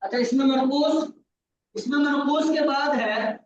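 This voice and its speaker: A man's voice: very high voice, a little slow, slight background noise. A male teacher giving a grammar lesson in a patient, repetitive way, checking that his student understands. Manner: patient, repeats key points, checks understanding. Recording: distant, roomy, dull lo-fi sound.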